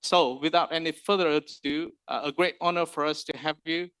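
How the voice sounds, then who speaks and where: A man opens a conference session with a polite, formal introduction, hesitating on fillers as he goes. His voice is bright and crisp, slightly high for a man. The sound is dry and close. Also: steady tone, fairly quick, no room sound. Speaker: conference host introducing the keynote speaker.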